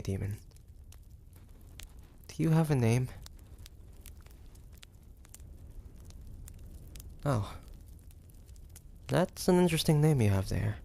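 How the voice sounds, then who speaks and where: A man playing a wary, stubborn young demon hunter in an intimate audio roleplay, speaking in a hesitant, grudging, halting way. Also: medium pitch, creaky, darkish tone, exaggerated voice. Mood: awkward, curious. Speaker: voice actor. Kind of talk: intimate audio roleplay acting, addressing the listener.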